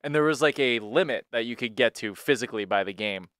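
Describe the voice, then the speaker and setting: A man's voice: medium pitch, fast talker, a bit bright, clear, resonant tone, no echo, studio quality. A man co-hosting a podcast, chatting loosely with lots of filler words. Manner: loose, filler-heavy talk with frequent "like". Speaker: podcast co-host. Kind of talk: casual podcast chat.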